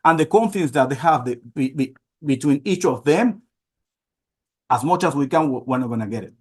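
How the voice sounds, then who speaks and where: A man from Venezuela, presenting slides on a webinar in halting speech with many repeats and fillers. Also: medium pitch, animated, slightly rough. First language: Spanish.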